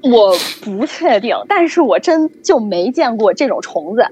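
A woman telling a story in casual chat, lively and acting out the people she quotes. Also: fairly high pitch, a little slow, slightly rough. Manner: animated storytelling, acts out quoted voices. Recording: dull lo-fi recording.

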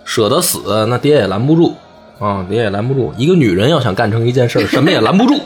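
A man doing a resigned old father, lively up-and-down voice, chuckling, comic folk-tale retelling. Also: mid-range voice, fast talker, soft background music, lightly acted. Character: doting elderly father, resigned.

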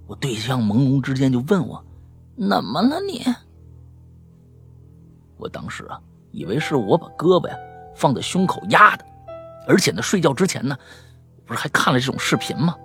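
A man hosting a podcast and reading out listener stories in a chatty, animated way, dropping to hushed tones for the eerie parts and breaking off with jokey asides. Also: medium pitch.

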